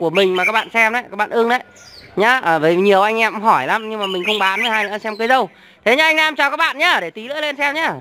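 A man speaks in a raised, projected voice at a very fast pace. Noticeable background noise runs underneath. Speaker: seller. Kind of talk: casual vlog chat. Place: garden. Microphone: phone near.

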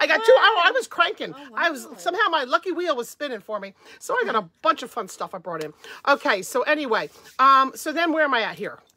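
A woman with a New Jersey accent, high-pitched, very fast and animated, her raised, projected voice showing big swings in loudness and very wide pitch swings, in a dry sound with no echo. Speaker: boutique owner. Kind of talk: live sales stream chat. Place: shop. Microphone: phone near.

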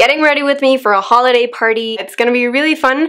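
A woman talks at a very fast pace. Her voice is high-pitched, her intonation fairly even. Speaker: beauty vlogger. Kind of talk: casual vlog chat. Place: home room.

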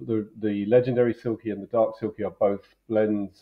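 A man talks in a London accent. His intonation is monotone and flat, and his pace is moderate. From London, England. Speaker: whiskey distillery founder. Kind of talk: casual chat. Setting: video call. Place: home room. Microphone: webcam.

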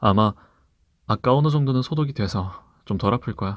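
Medium pitch from a man, ordinary pitch variation and a moderate pace, on a very clean recording with a silent background. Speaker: voice actor / asmr creator. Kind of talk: asmr roleplay of a caring school nurse. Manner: gentle, soothing, coaxing, playfully teasing.

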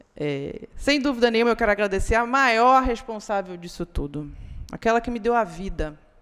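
A woman talks at a fairly quick pace with lively intonation. The background is quiet. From Rio de Janeiro, Brazil (Vila Isabel); Rio de Janeiro. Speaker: entrepreneur and investor. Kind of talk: acceptance speech. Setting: legislative chamber ceremony. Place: hall. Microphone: podium.

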